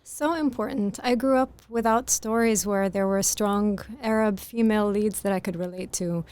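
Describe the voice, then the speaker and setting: A woman with a very soft voice speaks as a podcast guest. She explains her ideas in an earnest, articulate way, at a middle pitch for a woman. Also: normal speed. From grew up in Greece. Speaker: author guest. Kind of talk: podcast interview.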